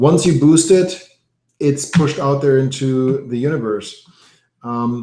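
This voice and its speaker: The voice has a dark, mellow tone and a German accent. It moves at a fairly slow pace with ordinary pitch variation. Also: man, fairly high pitch for a man. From Germany. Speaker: real estate company founder presenting a webinar. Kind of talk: webinar tutorial. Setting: online video hangout.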